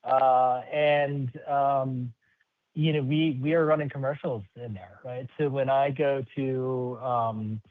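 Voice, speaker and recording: A man speaking as a company executive answering questions on an earnings call, halting, rambling and upbeat. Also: medium pitch, fairly even intonation, dry recording. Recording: slightly muffled, dry call audio.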